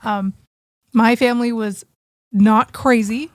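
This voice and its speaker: A woman's voice: fairly high pitch, steady tone, slow, dry recording, studio quality. A woman co-hosting a podcast in casual, informal conversation, with plenty of slang and some mild swearing. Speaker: podcast co-host.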